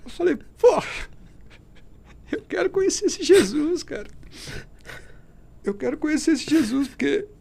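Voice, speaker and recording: A man with a fairly high voice and a gravelly, crackling edge tells his testimony as a podcast guest. He speaks fervently in a preachy way and keeps turning to the listener as brother. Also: very animated, measured pace, long pauses, mellow. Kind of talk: emotional testimony.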